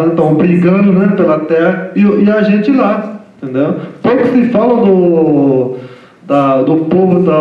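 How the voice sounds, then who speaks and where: Halting man in an echoey lecture hall. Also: high voice. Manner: halting, repeats "né?" constantly. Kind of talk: informal lecture talk. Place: lecture room. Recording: echoey hall from far off, dull sound.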